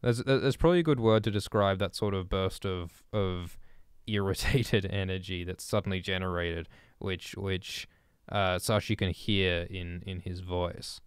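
Low-voiced man musing over a draft. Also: steady tone, measured pace, few pauses, clean tone, dry recording, clean studio sound. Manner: musing, hesitant, frequent ums and self-corrections. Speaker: writer drafting a story live on stream. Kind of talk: thinking aloud while drafting prose.

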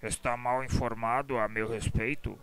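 A man playing a proud, aggrieved gentleman in a radio novela, formal and indignant in manner. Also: mid-range voice, fairly even intonation, normal speed, clean tone, close to an everyday voice. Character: proud, aggrieved gentleman obsessed with his inheritance.

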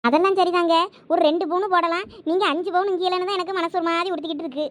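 A woman's voice: very high voice, steady tone, very fast. A young woman with a Thoothukudi Tamil accent, bickering through domestic dialogue in a village comedy skit. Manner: bickering, domestic back-and-forth.

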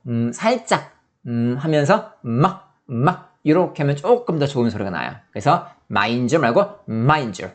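A Korean-speaking English teacher who explains pronunciation quickly and drills phrases slowly with exaggerated intonation. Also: medium pitch. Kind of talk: explanatory language lesson.

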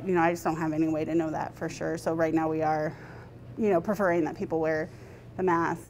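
A woman's voice: fairly low pitch, darkish tone, slight background noise. A woman in her thirties, a restaurant owner, talking candidly in a news interview in her dining room, retelling events. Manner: candid, conversational, tells events with quoted speech.

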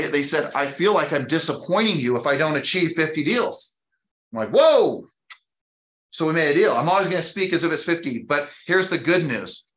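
A middle-aged American man speaks as a motivational sales trainer in an echoey room. His voice sits a little high for a man, and he talks emphatically but conversationally, often tossing questions at his listeners. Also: fairly bright tone. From Utah, United States. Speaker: real estate sales trainer. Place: indoor training room with whiteboards.

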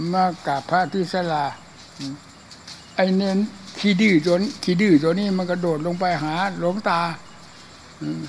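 An elderly Buddhist monk, hard of hearing, gives a loose, chatty, humorous dharma talk, acting out voices in his funny anecdotes. His voice is high for a man, with a faint hiss of noise beneath it.

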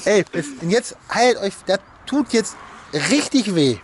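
A man's voice: high-pitched, sing-song, measured pace, slight background noise. A man chatting casually as a car vlogger, blunt and crude in slangy, joking banter, recorded outdoors. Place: outdoors in a farmyard beside parked cars.

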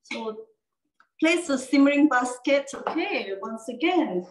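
Her voice is high and lively but slow, as this woman hosts a cooking demo, talking through each step loosely, full of fillers and frequent "okay?" check-ins. Slight background noise comes through, with room echo and a distant mic.

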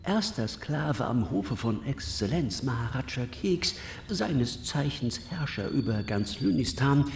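A man's voice: mid-range voice, expressive, unhurried, roomy sound, a little hiss or hum. A man playing a servile palace slave messenger in an audio drama, speaking in a flowery, ceremonious way. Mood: reverent. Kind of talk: German audio drama acting.

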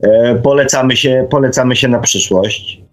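A man's voice: medium pitch, moderate pace. A man hosting a live call-in radio discussion, speaking hesitantly as he searches for words. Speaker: radio host.

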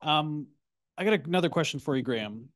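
A man in his thirties moderating a talk, passing on questions with a handheld mic, plain and halting. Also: a little high, animated, fairly bright tone. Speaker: event moderator. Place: meeting room.

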